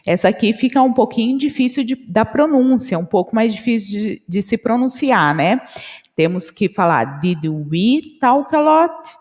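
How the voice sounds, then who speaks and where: A woman with a Brazilian accent teaching an English lesson, slowly repeating phrases and translating them. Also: on the high side, animated, darkish tone, long reverb tail. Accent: Brazilian Portuguese.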